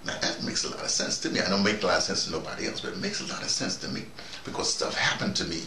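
An American man in his early sixties giving a rambling, informal monologue, halting and digressive, often repeating himself. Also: deep voice, expressive, sharp tone. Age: early 60s. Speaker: vlogger. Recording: roomy, noisy, distant microphone.

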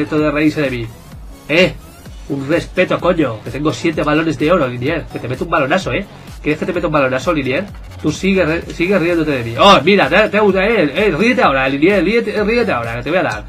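A man with a Spain Spanish accent, giving excitable, jokey gameplay commentary and bantering with his viewers. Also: fairly high pitch. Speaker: gaming YouTuber.

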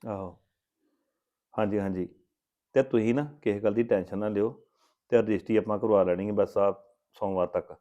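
A man's voice: lowish voice, steady tone, moderate pace, long pauses, warm tone, muffled recording, lightly acted. An actor playing a persuasive man who reassures a caller about a land deal in a family drama. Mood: persuading. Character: smooth-talking man arranging a land deal. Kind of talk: Punjabi family drama acting.

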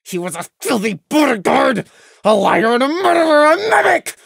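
A terrified young pony stallion, voice pushed very high, as a reader puts him on. He stammers and chokes on his words in panic. Close, dry recording. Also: big pitch swings, very slow, no echo, heavily acted. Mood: desperate.

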